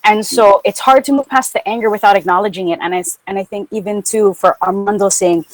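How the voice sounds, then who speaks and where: A woman of medium pitch speaks on a virtual panel. She is thoughtful and affirming as she builds on others' points. Her voice comes through a video call with a dry, close sound. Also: fairly even intonation, fast, no room sound, poor audio.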